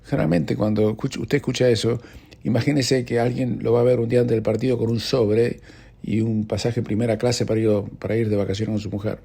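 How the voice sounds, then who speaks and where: Gravelly Argentine radio host, wry. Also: male voice, mid-range voice, steady tone, a little fast, dark tone. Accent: Argentine Spanish. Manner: wry, chatty, ironic asides. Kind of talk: casual radio commentary. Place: radio studio.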